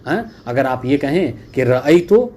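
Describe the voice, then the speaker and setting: A male religious teacher giving a classroom lecture on Arabic grammar. He reads the text slowly, then explains it in quick asides and keeps asking whether it is clear. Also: medium pitch, animated, darkish tone, a little hiss or hum. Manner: keeps checking understanding with "clear?" and "okay". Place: classroom with a student present.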